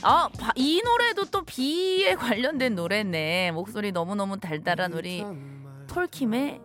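A woman's voice: medium pitch, very animated, a little slow, fairly bright tone. A woman in her thirties hosting a live radio show, chatting and teasing her listeners as she reads their messages. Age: 30s.

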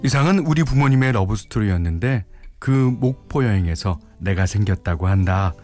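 Relaxed male radio DJ. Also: fairly low pitch, moderate pace, soft background music. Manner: relaxed, chuckling and chatty with listeners. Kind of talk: radio hosting and story narration. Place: radio studio. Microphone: studio microphone.

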